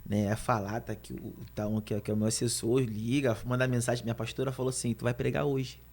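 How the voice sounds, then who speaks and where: A man with a Brazilian Portuguese accent, a guest preacher telling his story fast, with stumbling restarts. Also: mid-range voice, little pitch movement, darkish tone, slight background noise. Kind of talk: animated storytelling in conversation.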